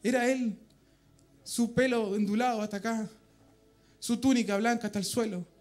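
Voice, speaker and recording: A Chilean man with a high-pitched voice gives a heartfelt church testimony. He speaks fervently and keeps turning to the congregation to address them as brothers. Soft music plays faintly under him. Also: steady tone, normal speed. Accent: Chilean Spanish. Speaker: church member giving testimony. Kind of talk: emotional spoken testimony in church. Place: church meeting room.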